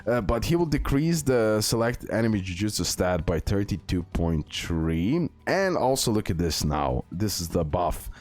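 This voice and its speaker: Low-voiced man giving game commentary. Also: very animated, moderate pace, few pauses, a little mellow. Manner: repeats himself, checks in with "okay" and "guys". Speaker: gaming video host. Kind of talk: casual unscripted game tier-list commentary. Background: music.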